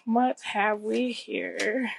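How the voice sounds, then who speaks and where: A woman's voice: mid-range voice, very slow, gravelly. Woman with a slightly nasal, scratchy voice. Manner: conversational, often checking in with "okay?" and "right?". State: getting over a cold. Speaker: tarot reader, channel host. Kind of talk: casual tarot reading to viewers.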